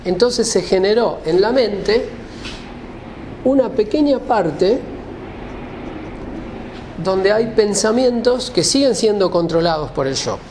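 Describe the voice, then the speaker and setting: A man's voice: high voice, darkish tone, a little hiss or hum. A man giving an explanatory lecture, speaking didactically, often rephrasing and checking that listeners follow.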